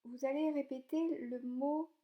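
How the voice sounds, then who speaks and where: A woman leading a guided yoga relaxation, speaking calmly and soothingly in short, gentle instructions with pauses between them. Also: high-pitched, lo-fi sound. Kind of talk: slow guided meditation narration.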